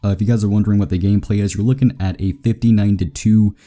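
A man with a slightly raspy, under-the-weather voice rushes through a casual update for his viewers. His tone is very dark and mellow, and he sits a touch low in pitch. He rambles along with plenty of ums and restarts. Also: steady tone. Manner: rambling, chatty, many fillers. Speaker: gaming YouTuber. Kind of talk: casual vlog update over gameplay.

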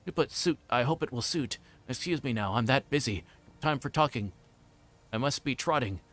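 A man voicing a bustling, forgetful fat innkeeper in a storybook reading, rambling on in a hurried, folksy way. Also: mid-range voice, expressive, fairly bright tone, close to an everyday voice. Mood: flustered, rambling. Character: flustered, bustling, chatty fat middle-aged male innkeeper.

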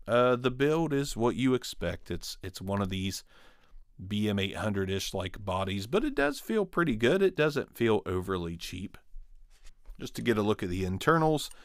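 A man in his forties reviewing a microphone in a casual, upbeat way, talking close into a studio condenser in a small home studio. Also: no room sound. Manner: upbeat, conversational, frequent pitch jumps when emphasizing. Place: small dark studio room with guitars. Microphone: studio condenser on boom, close.

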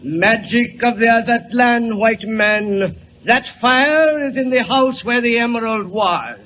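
An actor playing a proud, menacing tribal priest in stilted, solemn English, in an old radio serial with dull, noisy sound. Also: male voice, extremely high pitch, slow. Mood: defiant. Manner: stilted, solemn, formal speech. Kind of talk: 1940s radio acting.

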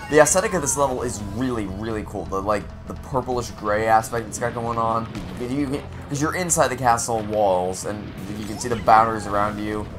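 A young man with a low, slightly raspy voice talks through a kart race in casual let's-play commentary. He rambles, breaks off and restarts his sentences. Game music plays clearly underneath. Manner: rambling, with frequent restarts and self-corrections.

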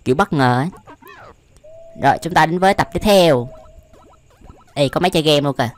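A man's voice: on the high side, brisk. Southern Vietnamese man doing exclamatory reaction commentary. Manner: slangy, frequent exclamations and laughter. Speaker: reaction video host. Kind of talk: casual, exclamatory reaction commentary over animation.

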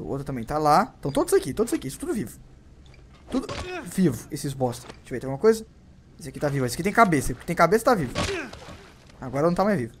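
A young man with a Brazilian accent commentating his gameplay, who swears constantly and yelps and shouts whenever he is startled. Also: on the high side, a little hiss or hum. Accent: Brazilian Portuguese. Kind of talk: let's play commentary.

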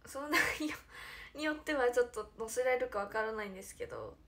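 A young woman hosting a casual livestream chat, giggly and animated, who often drops to a near-whisper. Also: a little high, fast talker. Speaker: idol livestream host.

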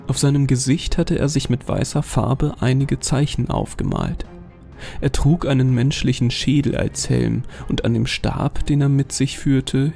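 A man narrating a scripted horror story in a measured, steady way. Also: mid-range voice, vocal fry. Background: faint music.

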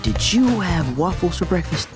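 A woman's voice: fairly low pitch, very animated, moderate pace. A woman voicing a quirky, dreamy, nature-loving cartoon boy with a wide-eyed, dramatic delivery. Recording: loud music bed behind the dialogue.

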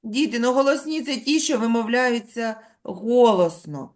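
A middle-aged woman teaching a primary school class, dictating slowly and patiently to young children. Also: a little high. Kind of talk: classroom lesson.

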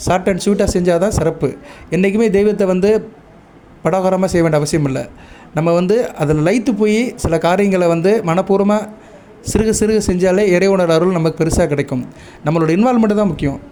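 A man with a Tamil accent giving devotional advice to viewers, measured and instructive, stopping often to check that listeners follow. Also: sits high, slight background noise. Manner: chants mantras and praise lists in a steady recitation. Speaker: astrologer.

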